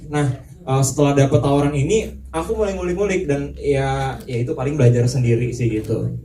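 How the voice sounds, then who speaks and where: A young man from Kalimantan, an actor at a press conference, talking in a relaxed, slangy way. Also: mid-range voice, brisk, roomy sound, far from the mic, a little hiss or hum. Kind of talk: casual chat.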